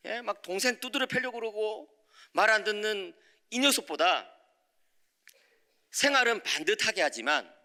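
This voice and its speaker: A middle-aged man preaching a dawn sermon in a church, telling a personal story with lively acted-out voices and frequent checks with the congregation. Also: sits high. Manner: animated, acts out quoted voices, frequent "예?" to the congregation. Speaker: preacher, visiting professor. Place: church sanctuary.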